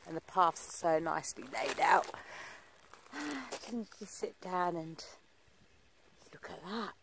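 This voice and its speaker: A middle-aged woman vlogging casually from her phone outdoors, chatty, laughing often and dropping into breathy asides. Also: fairly low pitch, slight background noise. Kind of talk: casual vlog narration. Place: outdoors on windy coast and town streets. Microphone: phone at arm's length.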